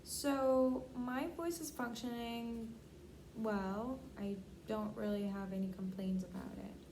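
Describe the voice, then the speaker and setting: A woman's voice: a little high, steady tone, takes it slowly, noisy background. A woman being assessed, answering briefly and cooperatively and repeating sentences as asked. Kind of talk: short cooperative replies and repeated test sentences.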